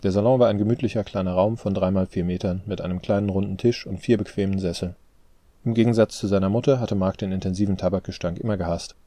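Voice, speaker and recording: A man reading a novel aloud in steady, measured scripted narration. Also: sits low, no echo. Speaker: audiobook narrator.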